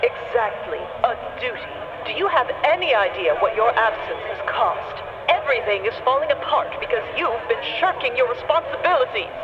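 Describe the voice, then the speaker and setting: A woman's voice: a little high, very animated, moderate pace, few pauses, music in the background. A woman playing an indignant, reproachful mother in an audio drama, filtered as if on a long-distance phone call. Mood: indignant, scolding. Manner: haughty, reproachful. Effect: telephone filter over a long-distance line. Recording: muffled phone line, noisy, heavy reverb.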